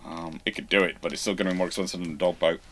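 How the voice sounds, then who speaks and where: A man hosting a live question-and-answer session, answering off the cuff in a halting way, often restarting his sentences as he thinks aloud. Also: low voice, steady tone, a bit bright, slight background noise. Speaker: host of naval history live Q&A.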